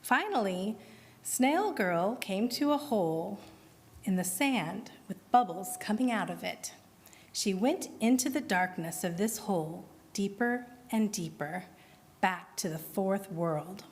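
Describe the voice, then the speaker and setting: Brief: woman reading a children's story aloud, very unhurried, in a reverberant meeting hall. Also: medium pitch. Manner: slow, expressive read-aloud. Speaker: story reader at a worship service. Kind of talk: storytelling narration.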